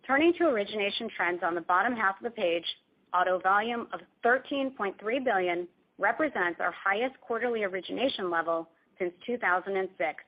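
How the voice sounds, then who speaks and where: A woman company executive reading a scripted earnings call presentation in a formal, measured corporate manner. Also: medium pitch. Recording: dull, band-limited conference call audio.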